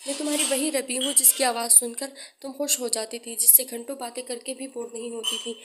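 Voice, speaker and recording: A woman's voice: on the high side, little pitch movement, fairly quick, background noise, lightly acted. A woman voicing a playful, impulsive young woman who pleads through tears for her friend's forgiveness. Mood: tearful pleading.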